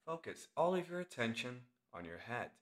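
A man narrates a guided meditation in the role of instructor. He delivers short, measured phrases and leaves long gaps between them. His intonation moves freely up and down across a wide range. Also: medium pitch, big pitch swings.

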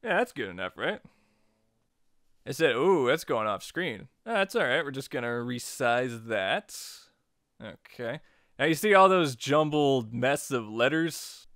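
A man narrating a software tutorial in a chatty, informal way, guiding step by step. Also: medium pitch, lively intonation, a little slow, no room sound, clean studio sound. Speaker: tutorial host.

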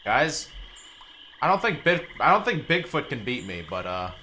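A young man playing a survival game, joking and swearing, with sudden loud outbursts. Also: medium pitch, very animated, normal speed, a little hiss or hum. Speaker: gaming YouTuber. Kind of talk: let's play commentary.

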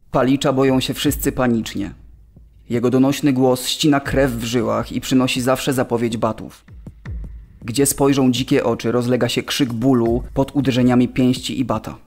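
A male actor plays a camp prisoner in a documentary radio play. He gives grim testimony of life under terror. His voice is of middle pitch. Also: flat delivery, normal speed, a little mellow, soft background music, close to an everyday voice. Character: male camp prisoner describing a feared overseer. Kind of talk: dramatised documentary narration.

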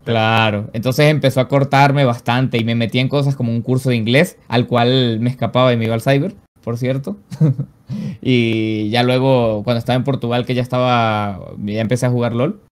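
A man's voice: mid-range voice, moderate pace, clean tone. Venezuelan male, 25, easygoing interview guest on a headset, chatty fillers. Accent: Venezuelan Spanish. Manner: relaxed storytelling, frequent "básicamente" and "o sea". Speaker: guest, esports caster and pro player. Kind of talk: casual interview over video call. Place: small home streaming room. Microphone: headset on video call.

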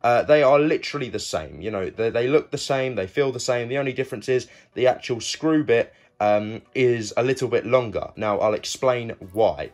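Young male, mid-pitched, conversational online reviewer talking casually to camera. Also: moderate pace, few pauses, darkish tone. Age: young adult. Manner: conversational, addresses viewers as guys. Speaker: video reviewer and host.

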